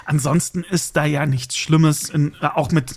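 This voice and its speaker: Creaky, higher-voiced man in casual chat. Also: steady tone, measured pace. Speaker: podcast co-host discussing audio dramas.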